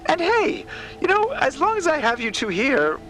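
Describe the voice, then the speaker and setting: A man's voice: very high voice, huge pitch swings, normal speed, bright, forceful tone, soft background music, full character voice, rough recording. A man playing a nervous, eager, apologetic journalist in an audio drama, stammering and effusively polite. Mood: hesitant eagerness. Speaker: actor in a fiction podcast. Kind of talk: naturalistic audio drama acting.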